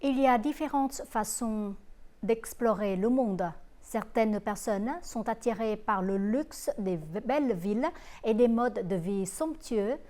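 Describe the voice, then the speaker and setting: A woman presenting a segment intro in a smooth, even news delivery. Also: medium pitch.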